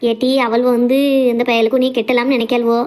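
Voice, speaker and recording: A woman's voice: a little high, flat delivery, brisk, a little mellow, pitched below the performer's own voice, natural voice. Woman putting on a tired mom voice, scolding and firm. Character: weary, cautious middle-aged mother.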